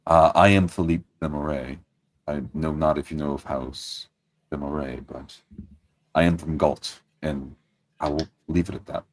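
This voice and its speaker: A man voicing a formal, courtly nobleman adventurer in a tabletop game, with stilted, measured politeness. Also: very deep voice, steady tone, dry recording. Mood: apologetic, courtly.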